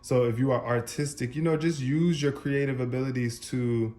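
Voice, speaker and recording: A man giving an animated, spontaneous tarot reading, talking straight to his viewers and laughing often. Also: mid-range voice, moderate pace. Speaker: tarot reader.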